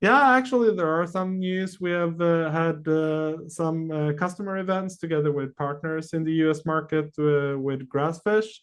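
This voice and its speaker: A man answering questions as a company executive on an earnings call, speaking haltingly with many long filled pauses. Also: fairly high pitch, fairly even intonation, clean tone.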